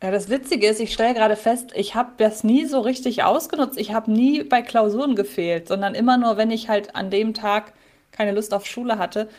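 A woman's voice: on the high side, normal speed, darkish tone. A woman co-hosting a podcast in casual chat, chatty and self-deprecating. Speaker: podcast co-host.

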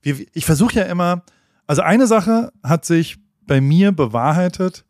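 A man's voice: sits high, animated, moderate pace, darkish tone, no echo, clean studio sound. Rambling man. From Kurpfalz, Germany. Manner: rambling, laughing storyteller. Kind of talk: casual chat.

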